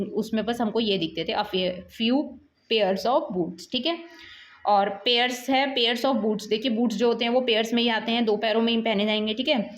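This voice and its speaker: A woman teacher explaining a textbook story. She reads English lines slowly, then explains them in Hindi, and often checks that the listener is following. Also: a little high. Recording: echoey room.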